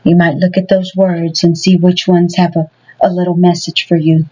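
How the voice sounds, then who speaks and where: A woman's voice: lowish voice, little pitch movement, normal speed, mellow, slightly rough, highs cut off. A woman giving a casual tarot reading to her viewers. She talks in a rambling way and fills her sentences with many "you know"s. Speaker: tarot reader.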